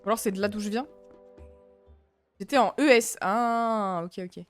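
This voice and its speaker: A woman's voice: medium pitch, moderate pace. A woman in her twenties chatting casually with her viewers while playing a game, rambling and talking to chat. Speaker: streamer. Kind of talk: casual gaming commentary. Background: faint game music.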